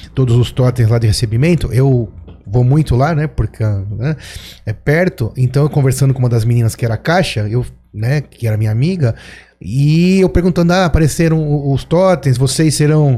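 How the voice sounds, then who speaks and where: A man with a medium pitch and a dark, mellow tone speaks somewhat breathily at a moderate pace, with ordinary pitch variation and very even loudness. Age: 50s. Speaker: podcast host and physician. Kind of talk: podcast interview.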